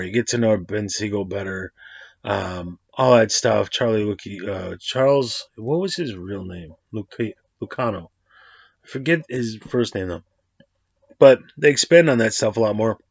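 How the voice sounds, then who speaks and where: A man's voice: fairly low pitch, normal speed, gravelly, no room sound. A man in his forties hosting his own movie review vlog, rambling in a slangy, casual way and often correcting himself mid-sentence. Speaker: host of a movie review channel. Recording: dry, slightly dull lo-fi audio.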